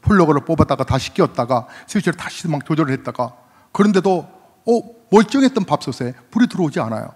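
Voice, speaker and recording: A male pastor preaches in a high voice that leaps and dives, from ringing cries down to near-murmurs. He acts out everyday scenes in quoted voices. The sound carries a long reverb, as in a large church hall. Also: expressive, fast talker, slightly rough. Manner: swings from loud cries to hushed low asides. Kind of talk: sermon. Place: church sanctuary.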